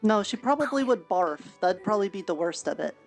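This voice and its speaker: Lady playing a bossy pep-talk adventurer, mid voice, quick and firm. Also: medium pitch, animated, faint music behind, natural voice. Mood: encouraging. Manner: brisk, firm and encouraging. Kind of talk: voice roleplay in a social VR world.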